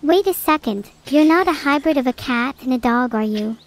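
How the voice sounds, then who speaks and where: Deadpan high-pitched AI girl voice. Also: moderate pace. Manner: deadpan, matter-of-fact quips. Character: female AI vtuber, dry and teasing. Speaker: AI streamer co-host. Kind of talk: casual stream chat.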